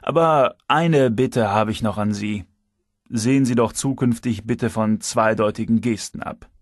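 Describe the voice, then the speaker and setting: A man voicing a shrewd, moralizing male security chief who used to be a detective, speaking in a lively, teasing way with a raised pitch. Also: measured pace, dry recording, clean studio sound. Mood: earnest.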